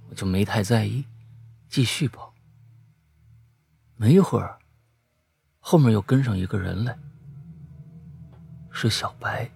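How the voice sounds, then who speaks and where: A man narrating a spooky story, lively, breaking off for offhand asides. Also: fairly low pitch, vocal fry, husky.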